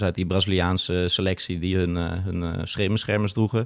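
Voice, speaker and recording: A man speaks in a very deep, low voice with a monotone, flat intonation, recorded very cleanly against a silent background. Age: 30s. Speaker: football journalist. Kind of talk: casual chat. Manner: hesitant, many filler sounds.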